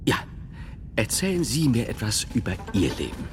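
An actor playing a stern medieval monk and thinker in a radio drama, speaking in a solemn, precise, pedantic way. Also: male voice, on the low side, huge pitch swings, moderate pace. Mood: inviting. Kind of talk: theatrical radio drama acting. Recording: long reverberant hall, music underneath.

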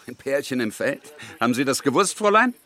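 An actor playing a gruff, indignant hunter in an audio crime drama, blustering and condescending. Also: male voice, mid-range voice, big pitch swings, quick pace, pushed and bright. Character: gruff, indignant male hunter defending hunting customs.

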